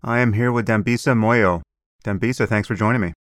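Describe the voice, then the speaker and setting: A man hosting a podcast, reading a measured introduction and then interviewing his guest. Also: on the low side, no echo, studio quality. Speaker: podcast host.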